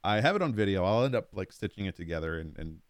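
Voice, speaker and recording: A man co-hosting a podcast, telling a story in an animated way and laughing often. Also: deep voice, fast talker, no room sound. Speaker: podcast co-host. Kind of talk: casual storytelling.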